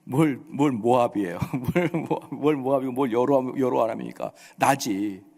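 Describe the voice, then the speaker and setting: A man's voice: medium pitch, normal speed, gravelly, warm tone. A male pastor preaching a sermon, acting out quoted voices and scolding with rhetorical questions. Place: church sanctuary. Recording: echoey church hall.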